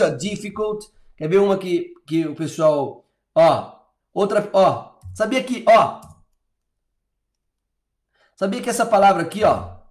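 A man's voice: a little high, echoey room. A man with a Brazilian accent teaching English in a chatty, encouraging way, full of little fillers. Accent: Brazilian Portuguese. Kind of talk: live online English lesson.

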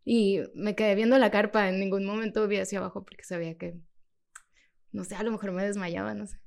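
A woman with a Mexican accent telling a personal story in a casual, animated way as a podcast guest, laughing often. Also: medium pitch, a little fast, vocal fry. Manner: animated, laughs often, acts out her own past lines.

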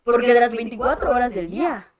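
A young Mexican woman with a Mexican accent, telling personal stories in a casual chat, full of fillers and animated asides. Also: a little high, quick pace. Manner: chatty, animated, many fillers like "este". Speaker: guest.

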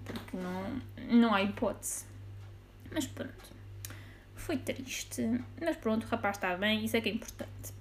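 A woman with a European Portuguese accent hosting a casual solo podcast. She is chatty and playful and laughs easily at her own jokes. Her voice sits a little high. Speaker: podcast host.

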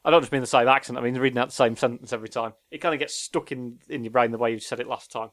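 A man's voice: medium pitch, fairly even intonation, racing, fairly bright tone. A man co-hosting a podcast in casual comic banter, joking at his own expense. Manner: self-deprecating, jokey. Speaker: podcast co-host.

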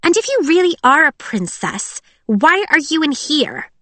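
A woman's voice: high-pitched, sing-song, unhurried, bright, forceful tone, no room sound, voice pushed up, exaggerated voice. A woman voicing a frightened, tearful teenage girl who pleads in a whiny voice.

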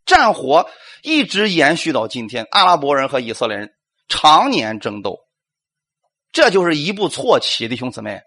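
A man's voice: a little high, wildly swooping pitch, moderate pace, sharp tone. A male pastor preaching a sermon, asking rhetorical questions, acting out quotes and calling for amens.

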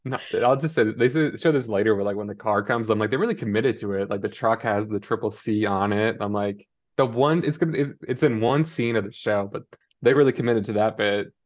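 A relaxed podcast co-host with a mid-pitched voice chats casually about a TV episode. The sound is somewhat dull and muffled, and the voice laughs easily between quick asides. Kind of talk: casual chat.

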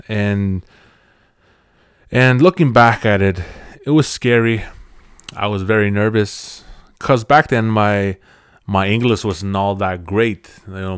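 A man in his thirties whose first language is Cree, hosting a podcast and telling a personal story in a casual, halting way, often restarting his phrases. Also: lowish voice, clean tone, no room sound, studio quality. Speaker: podcast host.

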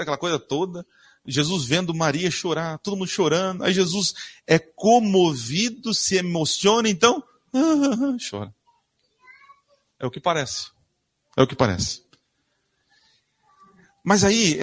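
Husky, bright-voiced preacher. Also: male voice, a little high. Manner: asks the congregation questions and answers them himself. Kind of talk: sermon with Bible reading. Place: church before a congregation.

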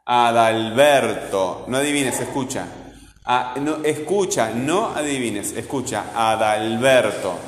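A man teaching a class, drawing out each syllable as he sounds out words. He speaks at a slow, patient pace. The room is echoey with a long reverb tail, and faint ambient noise sits behind him. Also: mid-range voice, expressive. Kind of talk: correcting a grammar lesson with students.

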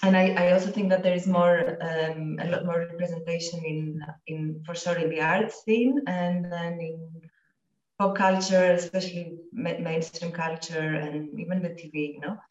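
A woman interviewer asking a long question, halting and restarting as she searches for words. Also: lowish voice, steady tone, a little mellow, echoey room, far from the mic, lo-fi sound.

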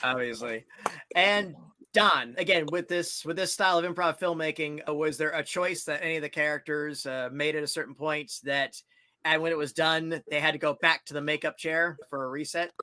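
A man's voice: on the high side, moderate pace, sharp tone. A man moderating a panel, asking questions hesitantly with many uh fillers.

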